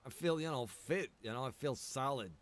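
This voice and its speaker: A man's voice: medium pitch, moderate pace. A man chatting in a breezy, colloquial way as a player in a roleplay game. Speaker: player in a zombie survival roleplay. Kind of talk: casual in-character roleplay chat.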